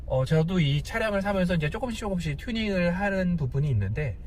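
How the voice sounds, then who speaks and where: A man hosting a casual, unscripted car review, speaking hesitantly with pauses between short phrases. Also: sits high, expressive, darkish tone. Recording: clear background car noise.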